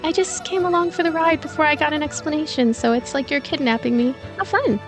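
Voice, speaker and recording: A woman's voice: high voice, brisk, voice pushed up. A woman voicing a polite, cheerful young ghost girl in a visual novel game. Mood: light amusement. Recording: music behind the voice.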